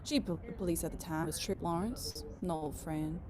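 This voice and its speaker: A woman's voice: fairly low pitch, moderate pace, a crowd in the background, lightly acted. A woman playing a blunt, protective small-town mother with a fierce streak in a script table read. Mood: proud, menacing.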